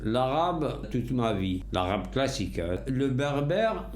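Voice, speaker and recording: An older man with a Kabyle Berber mother tongue, speaking slowly and emphatically in an interview. His voice rises and falls in lively swings at a middle pitch. The room around him sounds echoey. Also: a little hiss or hum. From North Africa. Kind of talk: unscripted conversation.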